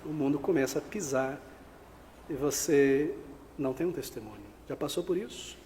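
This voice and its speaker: A Brazilian man preaches a sermon in a fairly high voice, swinging from loud, forceful outbursts to hushed, earnest appeals. His voice rings with the long reverb of a church hall. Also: normal speed, a little hiss or hum. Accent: Brazilian Portuguese. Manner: emphatic preaching, rising to loud outbursts then dropping to quiet appeals. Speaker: pastor.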